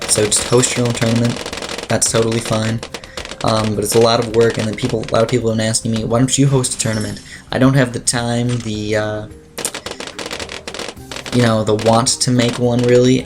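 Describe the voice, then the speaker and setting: A teenage man with a raspy, dry voice chatting casually over his gameplay as a gaming YouTuber, rambling with lots of fillers and clearing his throat. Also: fairly low pitch, background noise.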